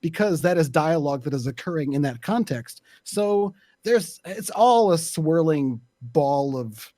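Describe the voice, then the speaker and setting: A man explaining his opinions in a casual discussion, deliberate and often searching for the right words. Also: a little high, animated, warm tone, no echo, studio quality. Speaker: panelist, actual play creator.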